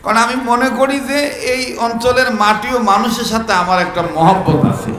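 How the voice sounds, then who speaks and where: High-voiced preacher with Rangpur dialect. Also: male voice, a little fast, echoey room, big-room sound, background noise. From Bangladesh. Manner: animated storytelling, shouting rhetorical questions to the crowd. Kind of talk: humorous sermon at a religious gathering.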